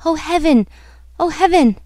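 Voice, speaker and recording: A woman's voice: sits high, lively intonation, normal speed, gravelly, a little mellow, no echo, studio quality. A woman voicing a fearful, earnest young female opera singer in a dramatic, pleading manner for a storybook. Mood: frantic, pleading.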